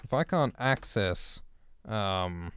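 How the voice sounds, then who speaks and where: A man's voice: fairly low pitch, lively intonation, takes it slowly, fairly bright tone, clear, resonant tone. A man voicing a curt, assertive young woman mechanical officer in a story he is writing, speaking in a clipped, firm way. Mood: insistent.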